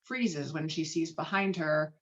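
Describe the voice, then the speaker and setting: A woman's voice: deep voice, measured pace, fairly bright tone, dull audio. A woman narrating screenplay stage directions with a dramatic, emphatic read on a video call.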